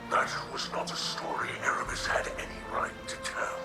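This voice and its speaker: An actor playing a weary, guarded old alien father in a video game, with a breathy growling rasp and slow, formal, solemn phrasing. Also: whispered, close to an everyday voice. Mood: guarded, stern. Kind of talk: dramatic video game acting. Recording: loud music over the voice.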